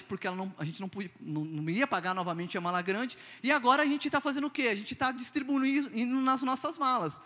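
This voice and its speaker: High-voiced storytelling preacher in a reverberant hall. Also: male voice. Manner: animated, self-mocking, acts out dialogue. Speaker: preacher telling a testimony. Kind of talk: humorous sermon storytelling.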